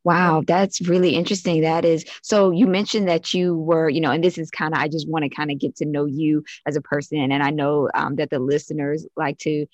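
Woman, podcast host, low voice, enthusiastic, effusive, dull dry lo-fi sound. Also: level tone, fairly quick, few pauses, darkish tone, no echo. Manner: enthusiastic, effusive, many exclamations. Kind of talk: interview podcast.

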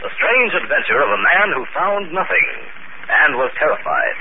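Formal male announcer, animated and high, over loud music on a tinny old broadcast. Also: slight background noise. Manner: formal, measured. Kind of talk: scripted radio announcing.

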